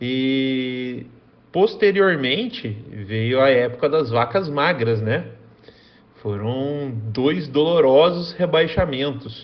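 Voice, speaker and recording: This man talks very slowly. His pitch sits in the middle range. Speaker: podcast host. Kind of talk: interview question.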